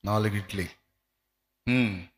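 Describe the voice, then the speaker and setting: A preacher playing a stern probing doctor. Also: male voice, fairly low pitch, fairly even intonation, measured pace, voice pushed down, lightly acted. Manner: probing, scolding. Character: stern questioning male doctor. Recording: echoey hall.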